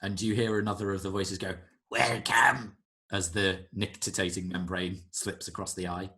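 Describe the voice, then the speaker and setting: A man's voice: low voice, fairly quick. A man narrating and running a tabletop role-playing game as game master. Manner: lively, descriptive narration.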